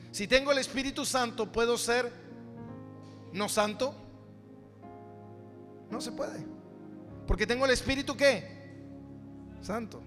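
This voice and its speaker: A man's voice: very high-pitched, fairly bright tone. A man preaching a sermon as a pastor, teaching from the Bible emphatically, repeating phrases and putting rhetorical questions to his listeners. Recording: echoey hall, music behind the voice.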